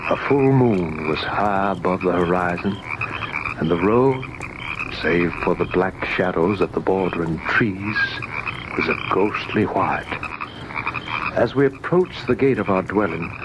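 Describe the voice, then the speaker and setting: A man's voice: low-pitched, animated, lo-fi sound. A man acting a haunted, grieving son who narrates a ghost tale in a solemn, dramatic old-time radio style. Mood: solemn, eerie. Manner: slow, solemn, dramatic delivery. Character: haunted, grieving son recalling his father's fate. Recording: noisy old radio recording.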